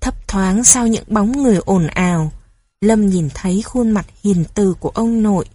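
A woman reading children's stories aloud in a gentle, even storytelling manner. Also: medium pitch, moderate pace, husky, dry recording, clean studio sound.

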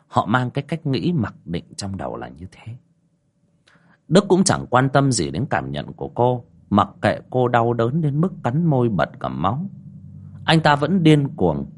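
A man narrating a ghost story in a dramatic, expressive way. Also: lowish voice, husky. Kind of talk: scripted horror story narration.

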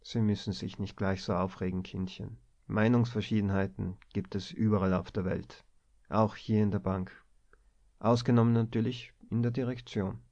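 A gruff older bank director in an audiobook, as the man reading voices him, clipped and commanding with a firm middle-pitched voice. the sound is dull and lo-fi. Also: steady tone, normal speed, darkish tone, close to an everyday voice. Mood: fatherly. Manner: curt commanding tone. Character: gruff older male bank director, stern but fatherly. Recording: dull lo-fi recording.

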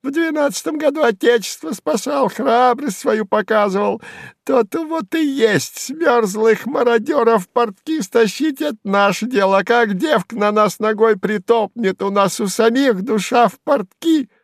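A squeaky, chattering old hanger-on, jeering in a high, sing-song cackle. Gravelly grit runs under the shrill tone, and the storybook reading sounds close and dry. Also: male voice, a little slow, dry recording, full character voice. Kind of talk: audiobook character voice.

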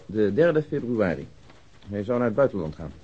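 A man's voice: on the low side, very animated, normal speed, slightly rough. A man playing a polite police investigator in a radio drama, speaking formally and precisely. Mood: matter-of-fact. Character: businesslike, polite male police investigator giving facts. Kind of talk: Dutch radio drama acting. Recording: dull, lo-fi radio drama recording.

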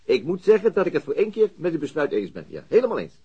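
A disillusioned detective with a very raspy, quick delivery. He is deadpan and politely ironic, in a radio drama with a slightly muffled sound. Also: fairly high pitch, exaggerated voice. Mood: icy irony. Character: dry, disillusioned male police detective, quietly ironic.

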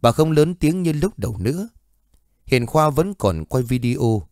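A man narrating a story in an expressive way. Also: medium pitch, unhurried, no echo, studio quality.

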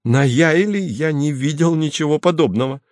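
A man's voice: moderate pace, no room sound, clean studio sound, natural voice. A man doing a pompous, indignant hunter. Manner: loud, indignant, higher-pitched. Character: excitable pompous male hunter, easily offended.

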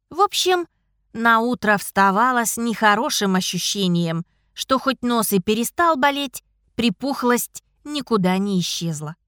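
A woman narrates a first-person novel with wry, self-mocking energy, her voice sitting a little high. The sound is dry and close to the mic, with no room around it. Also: no echo. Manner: wry, lively, self-ironic. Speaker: audiobook narrator.

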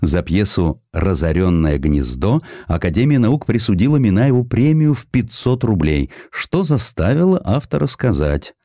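A man narrating a historical literary essay in an expressive, theatrical scripted reading. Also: mid-range voice, normal speed, hardly any pauses, dry recording, studio quality. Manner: theatrical, declaiming verse and acting out quotes. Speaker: audiobook narrator.

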